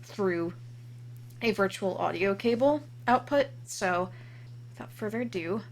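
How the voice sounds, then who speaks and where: Woman doing a casual software demo, midrange voice, noisy recording w hum. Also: mid-range voice, animated, a little slow. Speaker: demonstrator of voice changer software. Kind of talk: casual live software walkthrough. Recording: clearly noisy, humming home recording.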